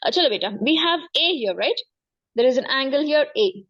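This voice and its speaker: A woman's voice: sits high, lively intonation, brisk, a bit bright, dull audio. A woman with a South Asian accent teaching maths one-to-one, encouraging and often checking that the student follows. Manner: encouraging, frequently checking understanding. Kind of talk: interactive one-to-one tutoring.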